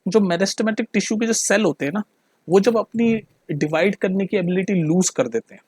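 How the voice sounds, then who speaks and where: Brief: male tutor, high and husky voice, chatty, keeps asking if you follow. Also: brisk, darkish tone, no room sound. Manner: chatty, keeps checking the listener understands; mixes Hindi with English terms. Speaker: teacher. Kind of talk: casual classroom explanation.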